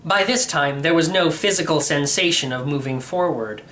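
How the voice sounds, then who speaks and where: A man's voice: fairly high pitch, normal speed, a bit bright, a little hiss or hum. Man narrating a first-person story. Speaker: audiobook reader.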